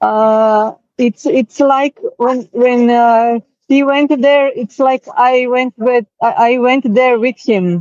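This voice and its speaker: With a non-native accent, a woman speaks very slowly at a high pitch, with ordinary pitch variation, very even loudness, and a dry, close sound with no echo. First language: not English. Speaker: participant. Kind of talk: testimony. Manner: halting.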